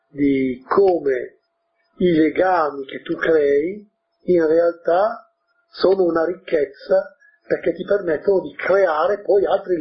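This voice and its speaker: A man's voice: on the high side, lo-fi sound. A male preacher giving a sermon, reading from a storybook and explaining it, often adding "eh?" and "no?". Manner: explains warmly, tags with "eh?" and "no?". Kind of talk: sermon with a read-aloud storybook.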